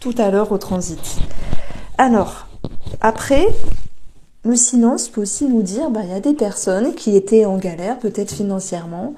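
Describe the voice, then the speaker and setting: A woman giving a monthly tarot reading, talking gently with many hesitations and restarts. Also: medium pitch, lively intonation, normal speed. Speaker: tarot reader.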